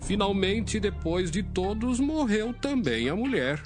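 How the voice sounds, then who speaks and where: A man's voice: high voice, expressive, a little slow, music in the background. A Brazilian man playing a Sadducee posing a tricky riddle in a theatrical, sing-song way in a dramatized audio Bible. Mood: quizzing, insinuating.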